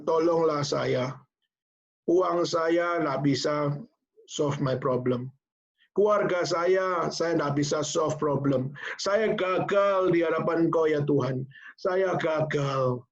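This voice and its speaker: A man's voice: a little high, unhurried, vocal fry, dull audio. A man voicing a ruined gambler and husband who prays in tears, his pleas carried along inside a sermon. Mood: despairing. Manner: pleading, tearful prayer. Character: desperate ruined male gambler, tearful penitent husband.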